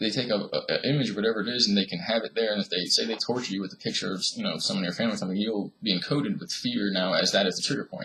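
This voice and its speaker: A man talks very fast with hardly any pauses, at a fairly low pitch with ordinary variation. Noticeable background noise is present. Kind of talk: personal testimony monologue. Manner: slurred, stuttering.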